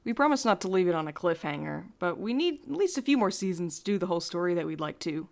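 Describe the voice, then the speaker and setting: A woman with a voice a little on the low side co-hosts a podcast. She talks in a casual, conversational Q&A style. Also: big pitch swings, fast talker, gravelly. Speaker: podcast co-host and writer.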